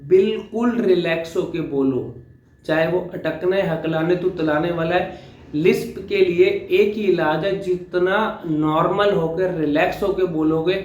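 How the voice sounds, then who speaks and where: A man teaching how to pronounce letters as a speech coach, slowly sounding out each one for practice. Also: high voice, darkish tone, reverberant, muffled recording. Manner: slow, demonstrative, repeats sounds for practice. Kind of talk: pronunciation lesson.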